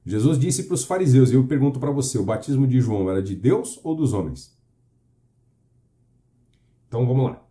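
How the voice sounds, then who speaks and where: A man's voice: mid-range voice, animated, moderate pace, pauses often, warm tone. A Brazilian man preaching earnestly to camera, asking the listener questions and reading scripture with emphasis. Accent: Brazilian Portuguese.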